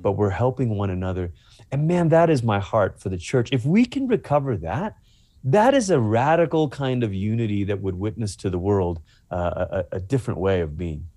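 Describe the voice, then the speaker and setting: A man's voice: lowish voice, very animated, moderate pace, dark tone, dry recording. A man from Malaysia, a pastor and author, speaking earnestly as a guest in an interview and repeating himself as he builds a point.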